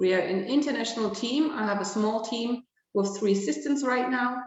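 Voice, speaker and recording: A woman with a German accent speaks at a medium pitch and moderate pace, with ordinary pitch variation and audible room echo. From Germany. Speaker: real estate agent. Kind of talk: interview answer. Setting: video call livestream.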